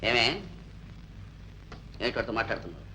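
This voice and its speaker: An actor playing a loud, jealous, bullying husband in an old film comedy, mocking and blustering. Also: male voice, on the low side, brisk, a little hiss or hum, poor audio.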